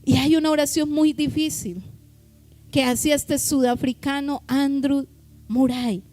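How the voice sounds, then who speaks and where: High-voiced woman preaching with passion. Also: fairly even intonation, a little mellow, faint music behind. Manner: impassioned preaching with drawn-out emphatic words. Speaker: pastor. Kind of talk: sermon. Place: church.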